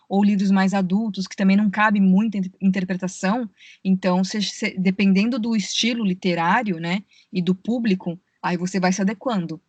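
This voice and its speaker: Speaking in a medium-pitched, slightly mellow voice, a woman describes her career as a voice actress and audiobook narrator during a podcast interview over a call. She goes on at length and leans heavily on fillers such as "né" and "assim." The sound is dry.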